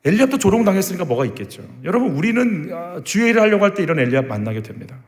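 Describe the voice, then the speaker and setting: Brief: male pastor preaching, emphatic rhetorical questions, fairly high voice, long church reverb. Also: big pitch swings, rapid-fire. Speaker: senior pastor. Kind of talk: sermon. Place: church sanctuary.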